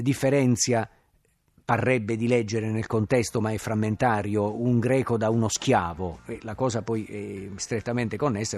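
A man lecturing on the radio at a middle pitch, speaking slowly and thoughtfully. He pauses often with hesitant fillers as he builds each point. The studio sound is close and dry, with no room echo. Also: darkish tone. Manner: measured, thoughtful delivery with frequent "eh" pauses. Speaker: lecturer on ancient history.

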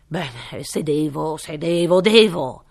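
A woman's voice: low-pitched, lively intonation, slow pace, vocal fry, exaggerated voice. A woman doing a fretful, whiny king. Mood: anxious. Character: fretful timid male king.

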